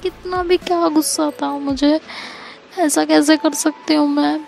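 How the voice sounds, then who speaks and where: A woman's voice: a little high, steady tone, a little slow, mellow, close to an everyday voice. A woman voicing a stern scolding young woman. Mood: tearful. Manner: stern, scolding, tearful at times. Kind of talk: storyteller voicing a character.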